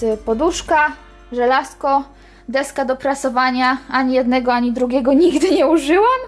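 A woman in her twenties chatting casually as she walks a camera around her small apartment, pointing things out. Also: high-pitched. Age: 20s. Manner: chatty, walking and pointing at things while talking. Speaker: vlogger. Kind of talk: casual house tour vlog. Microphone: handheld camera at arm's length.

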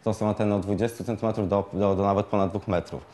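Warm in tone and fairly low in pitch, a young man in his twenties keeps his intonation mostly even while explaining a product unscripted as a shop expert. The lapel-mic recording catches his halting speech, thick with fillers and repeated words.

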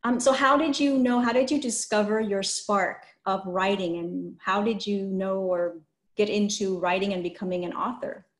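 A woman's voice: mid-range voice, normal speed. A middle-aged woman hosting a read-aloud and interview over a video call. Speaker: host interviewing an author. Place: small indoor room, video call. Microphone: computer mic on a video call. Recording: roomy, echoey video call.

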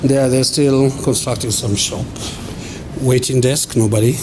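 A man's voice: mid-range voice, fairly even intonation, measured pace, noisy background. A man with a Kenyan accent giving casual walking commentary as a vlogger. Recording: clear music behind.

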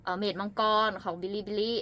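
Young woman guest rattling off her voice acting work fast, giggly, faint noise in the back. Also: mid-range voice, flat delivery, a bit bright. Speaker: guest, voice actress and YouTuber. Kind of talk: casual interview chat.

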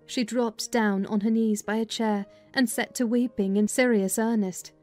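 A woman reading as an audiobook narrator, with measured, dramatized storytelling of literary prose. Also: a little high, steady tone, a little mellow, faint music behind.

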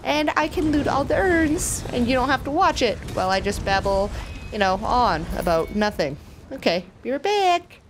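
A woman's voice: high voice, sing-song, moderate pace, background noise. A woman hosting a let's play, giving bubbly, chatty gameplay commentary full of exclamations. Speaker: video game let's play host.

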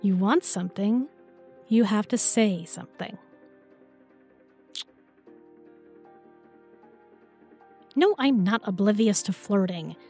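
A woman's voice: mid-range voice, normal speed, warm tone, husky, soft background music. A young woman playing an affectionate, teasing new girlfriend in an intimate roleplay audio, with a playful, tender, coaxing manner.

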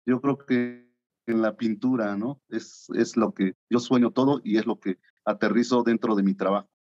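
A man's voice: fairly low pitch, steady tone, moderate pace, darkish tone, muffled recording. A man in his thirties from Oaxaca, answering interview questions in a hesitant way, with many fillers, over a video call from his studio. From Oaxaca, Mexico. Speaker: guest artist. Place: home art studio.

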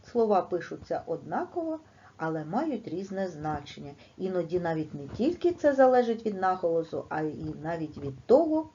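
A woman teaching a lesson to young children, speaking slowly and stressing each word with a lively, sing-song lilt. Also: on the low side. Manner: slow and deliberate, stressing words emphatically. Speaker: primary school teacher. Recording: dull, lo-fi recording.

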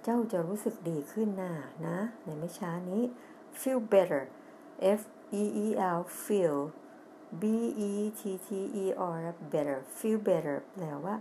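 This is a middle-aged woman with a Thai accent who teaches English on a TV lesson. She speaks at a slow, deliberate pace and reads the lines of a children's story aloud before explaining them. She spells words out letter by letter, and a faint hiss sits behind her voice. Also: fairly low pitch, expressive, warm tone.

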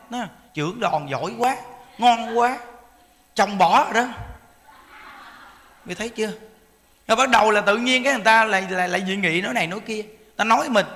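A Buddhist monk preaches in a high, bright voice. He tells folksy, animated stories and acts out quoted voices. His words ring out with long hall reverb. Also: creaky. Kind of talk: sermon.

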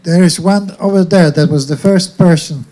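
Male moderator, mellow voice, polite and formal, calling the last question. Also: sits high, moderate pace. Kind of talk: panel moderation.

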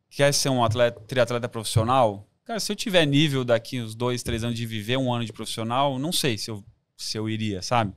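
A man's voice: medium pitch, clean tone, no echo. A Brazilian man talking informally and enthusiastically as a podcast guest, with plenty of slang. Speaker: podcast guest, amateur triathlete. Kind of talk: casual podcast chat.

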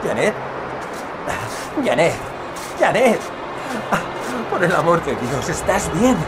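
A man's voice: on the high side, big pitch swings, slow pace. Man acting a frantic, wildly swinging-voiced husband. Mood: anxious relief. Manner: desperate, shouting and pleading. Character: frantic husband and father searching a snowstorm for his family. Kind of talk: Spanish-language audio drama acting. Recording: loud wind and outdoor ambience behind.

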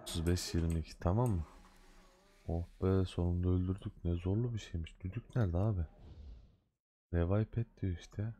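A man's voice: low voice, fairly even intonation, normal speed, long pauses, warm tone, slight background noise. A man casually commenting on his own game as he plays, chatting loosely and scolding the game in mock annoyance. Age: adult with a day job. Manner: loose slangy banter. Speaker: gaming video host. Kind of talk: casual let's-play commentary.

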